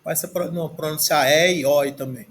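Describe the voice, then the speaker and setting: Fairly high-pitched and a bit bright, a man with a Brazilian Portuguese accent talks fairly quickly with fairly even intonation. His language lesson, recorded on screen at a desk, is slow and halting as he goes through a textbook and says words several times while working out their pronunciation.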